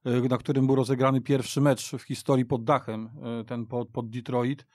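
A man speaking haltingly and repeating words as he discusses football off the cuff as a guest. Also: mid-range voice, little pitch movement, a little mellow, dry recording. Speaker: podcast guest. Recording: dry radio studio.

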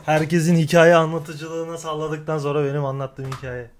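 High-voiced man, playful and teasing. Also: little pitch movement, normal speed. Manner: playful, teasing, points things out. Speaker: show host. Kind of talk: casual chat.

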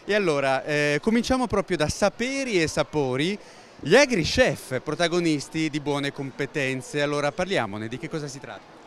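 Male interviewer, higher pitch, talkative and rhetorical, faint fair noise. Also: expressive, moderate pace, a bit bright. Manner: chatty, rhetorical, elaborating before questions. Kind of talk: broadcast interview questions. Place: indoor exhibition stand at a book fair.

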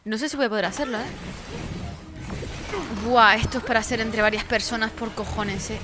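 Casting note: sleepy woman gamer, talkative and foul-mouthed, dramatic in fights, game music clear underneath. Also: on the high side, steady tone, moderate pace. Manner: chatty, swears freely, dramatic cries for help during fights. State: tired, sleepy. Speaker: gameplay streamer. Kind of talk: casual gameplay commentary.

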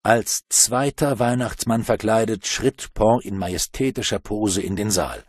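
A man narrating an audiobook in a lively storytelling manner. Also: on the low side, a little slow, dry recording, clean studio sound. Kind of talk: scripted narration.

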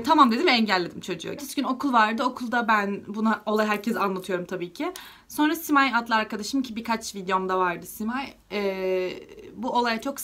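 Fast-talking young woman vlogger. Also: on the high side. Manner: chatty, lively retelling of dialogue with many fillers. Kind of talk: casual storytime vlog.

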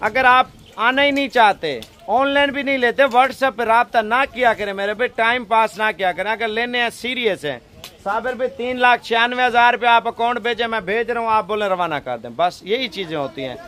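A young Pakistani man with a high voice talks straight into a phone camera held at arm's length. He makes a persuasive sales pitch from an outdoor goat pen. He fills his talk with pious stock phrases. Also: brisk, bright, forceful tone. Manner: persuasive, salesy, heavy religious fillers. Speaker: goat farm seller.

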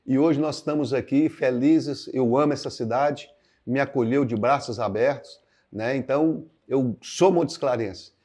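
Unhurried Brazilian pastor in his sixties. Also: medium pitch, darkish tone. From Minas Gerais, Brazil. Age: 60s. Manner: unhurried, searching for words, frequent "né" fillers, gestures with both hands. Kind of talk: reflective interview answers to camera. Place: indoors, living room with paintings. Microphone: clip-on lapel mic.

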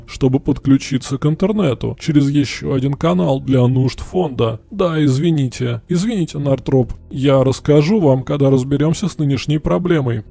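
A man's voice: medium pitch, gravelly, mellow. A man voicing a male scientist who cuts in with an offhand apology.

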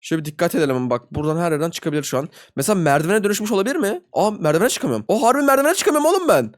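A young man giving excitable live gameplay commentary as a video host, talking to viewers in slangy banter and yelping high when frustrated. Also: racing.

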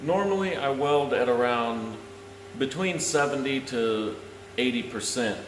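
A man in his thirties explains things slowly and plainly, as a tradesman teaching on camera. His voice rings around a big, echoey shop, with clear noise behind him. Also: mid-range voice, lively intonation. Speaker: welder and video host. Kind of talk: instructional talk to camera. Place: large metal-walled welding shop, indoors.

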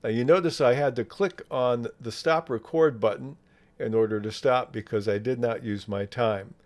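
Male software instructor, medium pitch, measured explanatory delivery for screen walkthroughs. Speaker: software tutorial presenter. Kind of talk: step-by-step screen tutorial narration.

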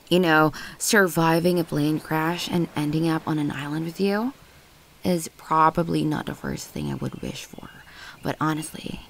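A woman acts out an obsessive yandere ex-girlfriend for an ASMR roleplay. She speaks very slowly in a lowish female voice, condescending and possessive. Her temper is volatile and her words linger teasingly. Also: very animated, slight background noise, exaggerated voice. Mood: sweet, smug. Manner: condescending, teasing, lingering on words, often breathy half-whispers. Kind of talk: ASMR audio roleplay addressed to the listener.

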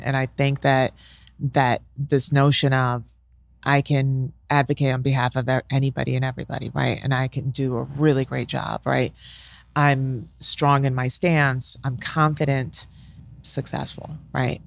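Recorded dry, this negotiation professor has an extremely low, gravelly voice. The middle-aged woman is an interview guest musing aloud on a boom-arm studio mic in a bright room with leather armchairs. Thoughtful in manner, she keeps checking in with "right?" and leans on "sort of."

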